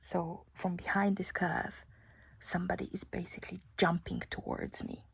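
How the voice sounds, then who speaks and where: A woman's voice: fairly low pitch, flat delivery, normal speed, vocal fry, fairly bright tone, breathy edge, no room sound. A young woman whispering a casual personal story close to the mic, chatty and giggly.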